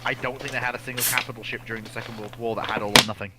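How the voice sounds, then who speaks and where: A man's voice: mid-range voice, fairly even intonation, racing, heavy background noise. A man co-hosting a casual question-and-answer chat in an informal, conversational style. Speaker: co-host helping track audience questions.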